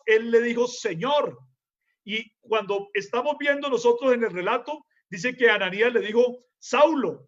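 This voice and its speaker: Man, preacher, Bible sermon, very high pitch, emphatic, rhetorical questions, muffled lo-fi sound.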